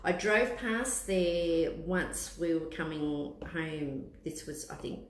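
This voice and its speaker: A woman's voice: fairly low pitch, slow. A woman in her fifties with an Australian accent, chatting casually to live viewers as a host and thinking aloud in a hesitant, rambling way. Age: 50s. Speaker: tea room host, psychic palm and tea leaf reader. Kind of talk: casual chat in a live stream, answering viewers. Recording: roomy echo with clear background noise.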